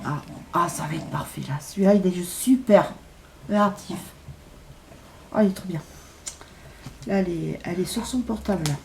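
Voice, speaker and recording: A woman's voice: fairly low pitch, moderate pace, vocal fry, pauses often, noisy background. A middle-aged woman chatting casually in a shopping haul video, hesitant with lots of fillers. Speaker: haul vlogger. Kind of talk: casual chat.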